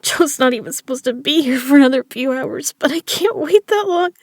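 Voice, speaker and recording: High-voiced, strained woman in distress acted. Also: expressive, fairly quick, no echo. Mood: pained, struggling. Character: tough battered woman poker player, desperate, swearing. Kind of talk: audio drama acting.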